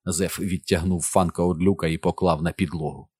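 A man narrating an audiobook in a steady, even reading voice. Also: sits low, a little fast, husky, no echo.

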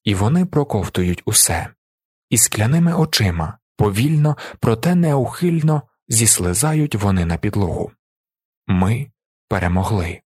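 A man narrating a story in an audiobook reading, lively and storytelling, raising his voice for the characters' shouts. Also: on the low side, measured pace, breathy edge, dry recording, studio quality.

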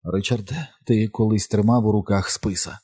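A fierce, badly wounded huntress, read by a man in an audiobook. The voice sits low and dark with a husky grain. She moves between hushed, urgent whispers and loud battle calls. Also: steady tone, normal speed. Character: badly wounded woman hunter, fierce and proud.

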